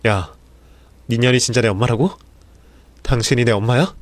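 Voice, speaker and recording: A man voices a furious grown son, accusing and insulting. The voice is mid-pitched for a man. The sound is dry and close. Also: normal speed, dry recording, close to an everyday voice. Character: furious grown son confronting his birth mother.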